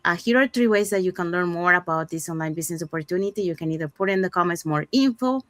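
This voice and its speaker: A woman's voice: lowish voice, fast talker, a bit bright, no echo. Woman host, dry close sound. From Panama. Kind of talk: scripted promotional talk.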